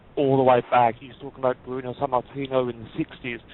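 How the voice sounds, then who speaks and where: Fairly quick speech in a British accent, with monotone, flat intonation. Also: man. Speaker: wrestling historian, society co-founder. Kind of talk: interview, casual chat.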